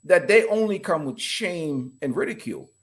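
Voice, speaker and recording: Animated higher-voiced man from the Bahamas. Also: normal speed. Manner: emphatic, animated, laughs while talking. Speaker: podcast guest. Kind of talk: casual opinionated podcast talk.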